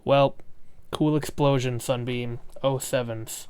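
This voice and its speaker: A man with a lisp giving excitable, self-mocking commentary while streaming a game, swearing now and then. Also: medium pitch, slow pace, clear, resonant tone. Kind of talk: casual gameplay commentary.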